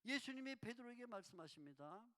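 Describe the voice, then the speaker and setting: High bright-voiced preacher man. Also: fast talker. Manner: lively preaching, repeats key words for emphasis; humorous, acts out dialogue. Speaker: pastor. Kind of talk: revival sermon. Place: church sanctuary. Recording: reverberant church sanctuary.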